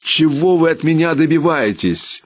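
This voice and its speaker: A man reading an audiobook, voicing the first-person hero, a desperate young father who shouts in raw, strained anger. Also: low-pitched, animated, normal speed, dry recording. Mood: furious.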